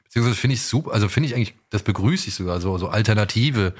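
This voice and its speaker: A man's voice: on the low side, expressive, rapid-fire. A man with a German accent chatting casually as a podcast co-host, giving his opinions.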